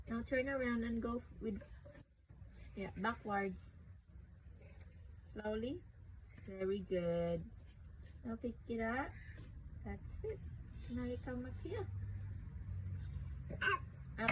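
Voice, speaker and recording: A young mother at home, talking patiently to her toddler in a slow, encouraging, sing-song way. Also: fairly high pitch, background noise. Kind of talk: child-directed talk with a toddler.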